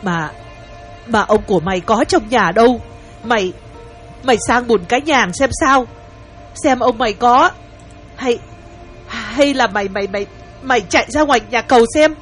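A worried older wife. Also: male voice, very high voice, normal speed, long pauses, fairly bright tone, soft background music, voice pushed up. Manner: worried, calling out, stammering. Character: anxious older wife searching for her husband.

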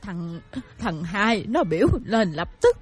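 A woman's voice: medium pitch, big pitch swings, slow pace, breathy edge, faint music behind, full character voice. A woman playing a grieving older mother in a radio drama who pleads insistently with her husband. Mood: pleading.

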